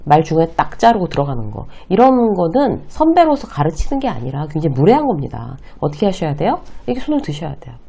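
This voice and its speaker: Woman lecturer, middle-aged, explaining step by step, warm and dark in tone, husky with fry. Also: low voice, big pitch swings, fast, few pauses. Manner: explains step by step, acts out short example lines in quotes. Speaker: workplace communication lecturer. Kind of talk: lecture to camera.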